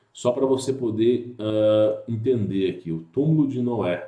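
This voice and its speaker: Dark and mellow, a man's voice sits at a medium pitch. His pitch varies in an ordinary way. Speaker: YouTuber presenting conspiracy and mystery topics. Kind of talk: casual explanatory monologue with screen sharing. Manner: conversational, filler-heavy.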